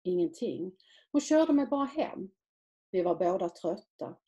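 A woman author reading aloud from her own novel in a measured, quiet literary manner. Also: fairly low pitch, sing-song.

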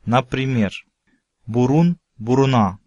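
A man's voice: medium pitch, takes it slowly, a little mellow, dry recording, lo-fi sound. A man teaching a recorded language lesson, explaining a grammar rule and carefully pronouncing example words one by one.

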